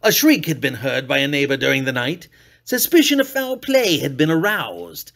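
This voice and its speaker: A man performing a dramatic storybook reading as an unhinged murderer, theatrical, sliding from hushed purring to shrieks. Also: medium pitch, big pitch swings, moderate pace, creaky. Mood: sly, gloating. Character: unhinged male murderer, gloating and paranoid, classic villain. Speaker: reader.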